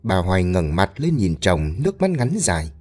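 A man's voice: low voice, big pitch swings, moderate pace, darkish tone, faint music behind. A man narrating a dramatic spoken tale in a scripted storytelling style.

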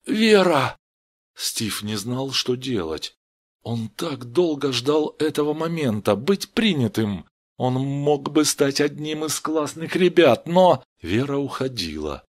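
A man reading a story aloud with expressive narration. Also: medium pitch, slow pace. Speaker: audiobook narrator.

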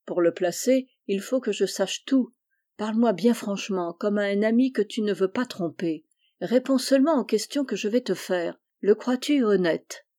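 A good-humoured, kindly middle-aged man , as a woman reader puts him on, teasing a boy with gentle amusement. Storybook audiobook reading at a mid pitch. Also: normal speed, natural voice. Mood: amused, gentle. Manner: jovial, warm-hearted.

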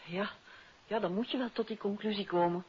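An actress playing a detective's curious, alert wife in a 1950s radio drama, inquisitive and earnest, with a Netherlands Dutch accent. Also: female voice, medium pitch, a little fast, husky. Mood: inquiring. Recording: muffled, hissy old radio recording.

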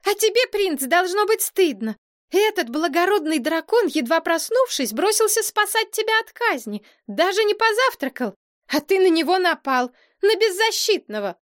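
A bossy little princess, all indignation and high-pitched scolding, as a woman reading a storybook puts her on. Her voice leaps and swoops with theatrical outrage. The sound is dry and close to the mic. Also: big pitch swings, moderate pace, dry recording. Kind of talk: audiobook character voice.

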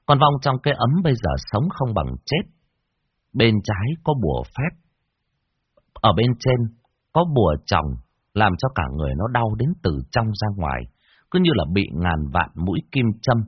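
A man narrating a ghost story in a lively, dramatic way. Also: fairly low pitch, normal speed, slightly rough, dry recording. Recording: dull lo-fi dry recording.

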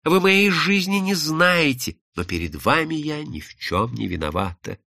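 A male reader puts on a frightened young woman spy from an old-style detective audiobook. She speaks high and breathy in a quivering half-whisper, pleading and confessing. The read is close and dry. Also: lively intonation, moderate pace, bright, forceful tone, dry recording, exaggerated voice. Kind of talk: audiobook character voice.

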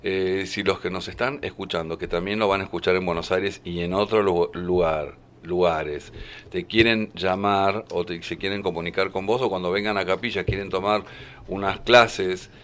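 A man's voice: deep voice, fairly even intonation, moderate pace, fairly bright tone. A man with an Argentine accent hosting a radio interview, chatty and rambling, often correcting himself. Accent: Argentine Spanish. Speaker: radio host. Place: radio studio.

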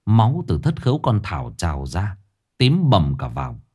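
A man narrating a ghost story in a dramatic, expressive storytelling manner. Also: low-pitched, moderate pace, husky.

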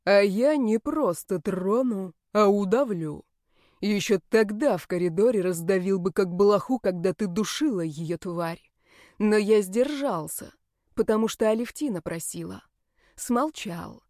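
A woman voicing a furious, menacing werewolf man in an audiobook, speaking slowly and loudly with threats. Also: medium pitch, no echo, studio quality, close to an everyday voice. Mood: enraged. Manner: slow, loud, threatening. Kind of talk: audiobook character voice.

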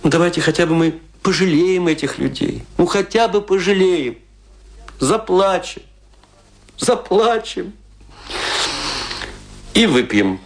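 A middle-aged, tipsy Russian intellectual in a radio play. His delivery swings widely in pitch as he moves from confiding to declamation. He is rueful and self-mocking, and he leaves dramatic pauses. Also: expressive, exaggerated voice. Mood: mournful, ironic. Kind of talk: theatrical dramatic monologue.

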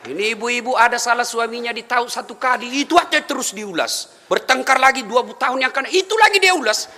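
A man's voice: very high voice, steady tone, fairly quick, bright, forceful tone, slight background noise. A man preaching a humorous sermon, telling stories with a playful manner, acting out the voices and laughing as he talks. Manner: playful storytelling, acts out voices, laughs while talking. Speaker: Islamic preacher. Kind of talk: humorous sermon to a live audience. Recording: long hall reverb.

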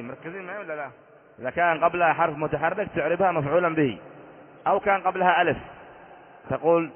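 A man, a sheikh, teaching an Arabic grammar lesson, quizzing his students and repeating each rule. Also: on the high side. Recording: tinny phone-like audio in a long-reverb hall.

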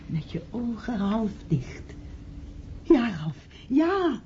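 A woman's voice: on the high side, sing-song, slow, mellow. An actress playing a middle-aged widowed mother in a radio play, fussing and yearning, lost in memory. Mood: fussing, wistful. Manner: fussing, dramatic. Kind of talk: Dutch radio play acting. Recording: dull, faintly noisy old radio recording.

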